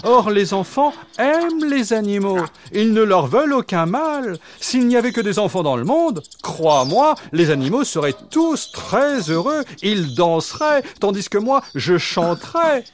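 Man voicing a boastful storybook dog, high and springy, over music. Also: big pitch swings, measured pace, hardly any pauses, slight background noise. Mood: gentle. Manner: proud, chatty and grandly articulate. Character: boastful clever talking male pet dog.

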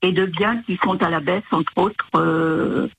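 A retired older woman calling into a radio show, heard over a phone line, speaking in a hesitant, measured way with frequent filler pauses. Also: lowish voice, fairly even intonation, a bit bright, slightly rough. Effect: heard over a phone line into the studio.

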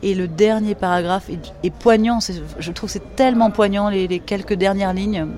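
A woman's voice: mid-range voice, fairly even intonation, normal speed, dark tone. A middle-aged woman novelist speaking enthusiastically in a radio documentary interview, often restarting and repeating words. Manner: enthusiastic, with many restarts and repetitions. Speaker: novelist guest.

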